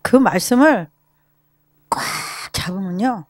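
A woman in her sixties giving a personal recovery testimony to a group, telling her story in an emotional, animated way. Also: medium pitch, slow pace, dry recording, clean studio sound. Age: 60s. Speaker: program participant giving a testimony.

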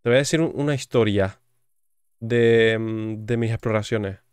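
A man's voice: fairly low pitch, moderate pace, a little mellow, smooth, no echo. A man with a Spain Spanish accent giving chatty, joking commentary while playing a video game and reading its text aloud. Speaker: gaming YouTuber. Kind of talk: gaming commentary.

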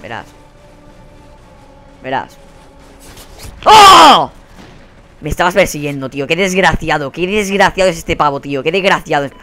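A man's voice: a little high, brisk, pauses often, fairly bright tone. A young man with a Spain Spanish accent giving heated gameplay commentary, swearing and ranting at other players. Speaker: gaming channel host. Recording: faint game gunfire behind.

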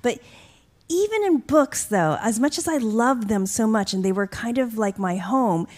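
A middle-aged woman from upstate New York, an author speaking earnestly in an onstage conversation into a stand microphone. She talks reflectively and gets animated when she quotes other people. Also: a little high, moderate pace. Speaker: author guest. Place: stage with curtain backdrop, library event. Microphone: mic on a stand.

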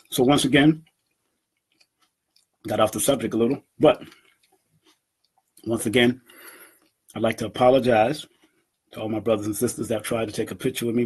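A man in his fifties talking to his webcam from a room at home, animated and boastful, laughing often as he addresses his community. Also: medium pitch, slightly rough. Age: 50s. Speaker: event organizer and numerology teacher. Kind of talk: casual talk to camera. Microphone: webcam at desk.

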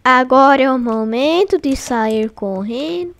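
A young Brazilian woman giving casual let's-play commentary, excitable and scared, chatting to her viewers. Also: sits high, a little slow, background noise. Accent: Brazilian Portuguese. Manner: excitable, frightened exclamations and chatty asides to viewers. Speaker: gaming channel host.

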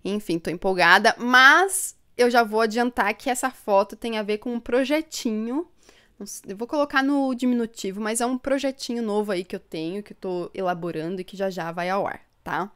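A young Brazilian woman from São Paulo state hosts a chatty live stream for her book channel, talking with viewers from an indoor home room full of bookshelves via a desk microphone in front. Her voice is smooth and clear at mid pitch, pushed and bright, at a normal speed. She stays upbeat, laughs often, and reads comments aloud.

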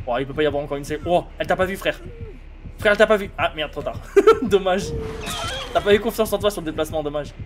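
A young man with a French accent commenting live on a game, excitable and laughing as he chats with viewers. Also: fairly high pitch, quick pace. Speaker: streamer. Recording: music playing behind.

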